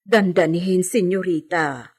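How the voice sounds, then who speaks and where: A woman's voice: fairly low pitch, unhurried, husky. A woman playing a married housemaid who speaks respectfully and reassures her mistress. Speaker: servant. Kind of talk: amateur audio drama acting.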